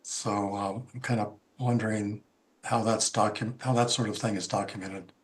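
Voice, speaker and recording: A man's voice: on the low side, steady tone, normal speed. Man on a video call making a rambling public comment, lots of fillers.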